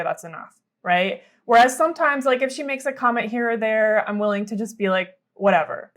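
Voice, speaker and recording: A woman panelist and therapist explaining ideas in a thoughtful, conversational way, often checking in with "right?". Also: medium pitch. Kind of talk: casual explanatory discussion.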